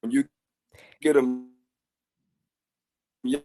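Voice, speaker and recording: A man's voice: mid-range voice, big pitch swings, drawn-out words, vocal fry, over music. A man, an author being interviewed on the radio, talks in a rambling way full of fillers over a remote connection whose audio keeps clipping and distorting. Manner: rambling, full of "you know" fillers and restarts. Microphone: remote call line.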